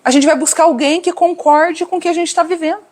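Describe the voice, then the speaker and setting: A woman's voice: very high-pitched, fairly quick. A woman with a Brazilian Portuguese accent, a Christian mentor preaching on a live stream to women, talking straight to her viewers and acting out the voices she quotes. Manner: animated, addresses viewers directly, acts out quoted voices.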